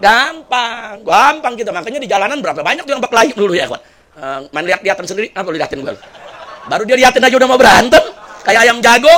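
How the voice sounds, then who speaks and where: A man preaching a sermon, telling stories in an animated, joking way and putting questions to the congregation. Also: very high voice, quick pace. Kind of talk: sermon with storytelling.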